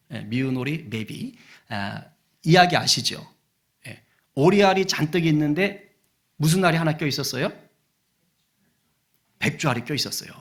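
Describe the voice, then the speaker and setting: A man's voice: medium pitch, fairly bright tone. A male senior pastor preaching a sermon with emphatic, call-and-response questions.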